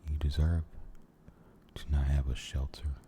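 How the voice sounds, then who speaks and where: A man giving a soft-spoken, mostly whispered ASMR ramble, halting and gentle, repeating his phrases, close to the microphone. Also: extremely low pitch, level tone, slight background noise. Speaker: ASMR video creator.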